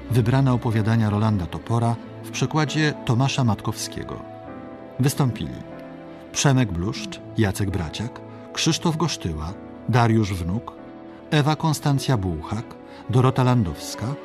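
Male announcer over clear music. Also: mid-range voice. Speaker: radio announcer. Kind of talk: formal reading of closing credits.

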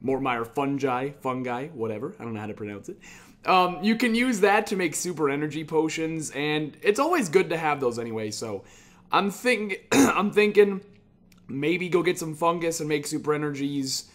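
A man talks over his own gameplay in a loose, chatty way, his voice sitting a little high for a man. He stays upbeat and throws in casual swearing as he goes. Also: animated, normal speed. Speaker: gaming YouTuber.

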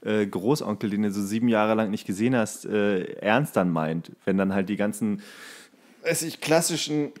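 A man's voice: on the low side, normal speed. A man co-hosting a podcast in casual comedic chat, talking in a slangy, sarcastic way. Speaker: podcast co-host.

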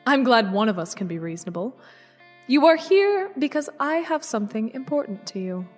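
Woman playing a high-voiced, condescending villainess, reverberant. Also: big pitch swings, moderate pace. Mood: mock-courteous. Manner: polished, mocking politeness. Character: smooth, condescending female villain in command. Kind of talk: audio drama acting. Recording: long reverberant hall, faint music underneath.

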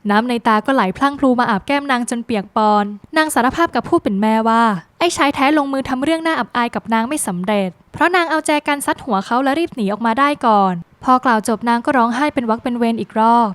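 A woman narrating a scripted drama plot recap in a brisk, lively storytelling manner with dramatic phrasing. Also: fairly high pitch, no echo.

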